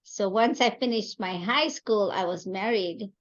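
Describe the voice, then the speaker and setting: A slightly muffled, lo-fi recording of a woman from Kenya. She talks as a podcast guest, reflective and halting, checking in with rhetorical questions. Her pitch is in the middle range for a woman. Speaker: podcast guest, entrepreneur and coach. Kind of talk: conversational interview storytelling.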